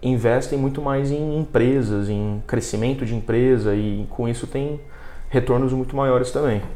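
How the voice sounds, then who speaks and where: Noticeable background noise and audible room echo surround the voice. It moves at a moderate pace with fairly even intonation. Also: man, medium pitch for a man. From interior of São Paulo state, Brazil (São José do Rio Preto). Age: 30s. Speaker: head of sales and startup investor. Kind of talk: podcast interview.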